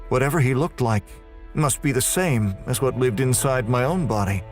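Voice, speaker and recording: An actor playing a tormented, damned murderer, delivering a brooding first-person horror audio drama monologue. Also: male voice, medium pitch, moderate pace, lightly acted. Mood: cold, brooding. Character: damned male murderer prisoner, tormented, confessing in hell. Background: music.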